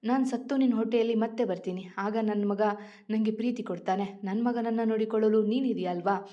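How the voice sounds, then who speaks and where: A woman voicing an ailing older mother-in-law who speaks softly and affectionately in a storybook reading. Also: on the high side, steady tone, fairly quick, dull audio, lightly acted. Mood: resigned tender.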